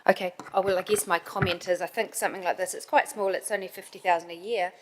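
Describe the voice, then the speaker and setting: A woman's voice: fairly low pitch, fairly even intonation, fast, slight background noise. A woman with a New Zealand accent, a city councillor, asking a question and then commenting directly, thinking aloud. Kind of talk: speaking at a meeting.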